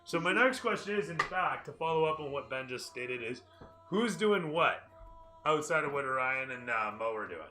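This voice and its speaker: Male game master, casual emphatic narration, bright tone, roomy recording. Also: on the high side, expressive, normal speed. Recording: roomy, music behind.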